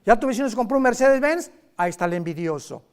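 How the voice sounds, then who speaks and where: Lively preacher man. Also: very high voice, clean tone. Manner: lively, conversational preaching with sudden loud emphasis and quick asides. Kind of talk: sermon.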